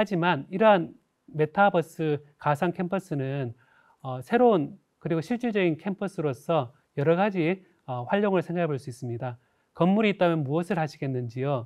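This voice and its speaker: A man is speaking at a high pitch. His intonation is lively. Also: moderate pace, quiet background. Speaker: university IT director; university lecturer. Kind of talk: lecture. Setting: studio.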